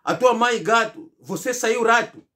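A middle-aged man from Angola speaks to a fixed camera in a small indoor room, his voice pitched high. He delivers a rhetorical political monologue, stressing each point and mocking the replies he imagines. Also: moderate pace, pushed and bright. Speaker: political commentator. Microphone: fixed camera, seated at medium distance.

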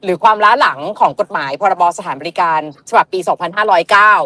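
A woman's voice: medium pitch, fast, sharp tone, no room sound. A woman politician, a guest on a casual talk show, explaining at length and often restarting her sentences.

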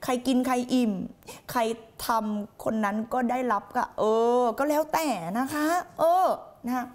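A woman's voice: a little high, measured pace. A woman life coach on a late-night motivational live stream, blunt and crude with heavy slang, fiery and intense as she answers viewers. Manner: fiery and intense, reads viewer comments aloud.

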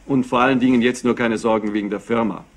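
An actor playing a solicitous company confidant in a crime drama, reassuring and insistent. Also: male voice, medium pitch, fairly even intonation, fast talker, natural voice. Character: solicitous, smooth-talking male company confidant. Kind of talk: German crime drama acting.

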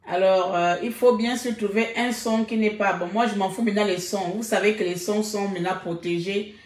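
A woman's voice: mid-range voice, steady tone, brisk. A woman hosting a casual live stream, talking animatedly and repeating exclamations. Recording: echoey room.

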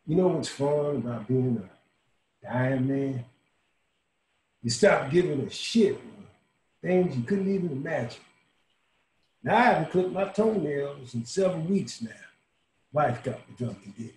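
A man's voice: lively intonation, unhurried, long pauses, a little hiss or hum. An older man reading a monologue as a brash, crude dying man at a bar, over a video call. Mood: wry confiding. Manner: brash, loud outbursts, then low confiding. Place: home room. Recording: echoey video call room.

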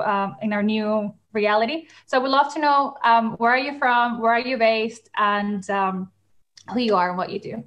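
A young woman hosting a panel over a video call, upbeat and enthusiastic, with frequent fillers. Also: on the high side. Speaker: panel moderator. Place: home room, in England.

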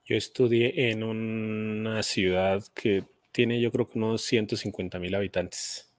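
A man's voice: on the low side, steady tone, a little slow, dry recording, clean studio sound. A middle-aged man, a math teacher and video host, talking casually and earnestly on a live stream. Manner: earnest, advising, with restarts. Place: home studio. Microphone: studio mic on boom arm, headphones.

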